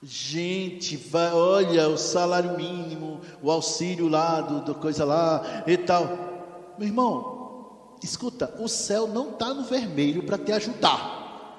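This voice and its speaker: A man preaching a sermon as pastor, swinging from quiet talk to shouted declarations. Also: fairly high pitch, takes it slowly. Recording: roomy hall with long reverb.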